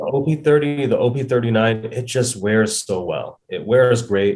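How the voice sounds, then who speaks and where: A man with an unremarkable speaking voice talks at a fairly slow pace and medium pitch, with ordinary pitch variation over a quiet background. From Chicago. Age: 40s. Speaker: watch brand owner. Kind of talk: interview.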